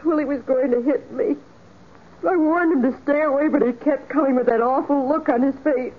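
Actress as jailed murder suspect, female, high-voiced, defensive and overwrought, vintage radio melodrama, thin phone-like sound. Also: moderate pace, lightly acted. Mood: frightened. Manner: emotional, anguished, protesting. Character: distraught, defensive young woman jailed for murder. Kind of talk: 1940s radio acting. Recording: noisy, tinny 1940s radio recording.

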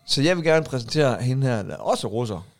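A man co-hosting a casual podcast and telling a story with plenty of laughter. His voice is gravelly and his pitch swings widely as he gets animated. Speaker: podcast co-host. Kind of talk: casual chat.

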